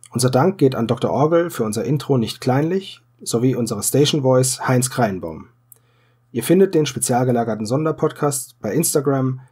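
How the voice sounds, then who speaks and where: A man hosting a podcast, speaking in a conversational way with a slightly husky voice. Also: medium pitch, darkish tone. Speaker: podcast host. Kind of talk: casual podcast chat and announcements.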